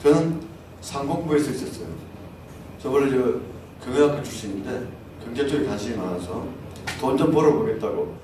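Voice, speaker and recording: A man's voice: mid-range voice, brisk. An older man leading a civic group, giving an insistent speech that climbs into indignant outbursts. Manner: insistent, rising to shouted indignation. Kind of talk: speech to an audience. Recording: echoey, distant room mic with faint noise.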